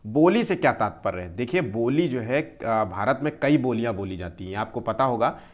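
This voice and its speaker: A man's voice: mid-range voice, expressive, moderate pace. A young man teaching exam-prep questions, explaining each answer step by step and repeating key terms. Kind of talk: Hindi exam-prep lesson.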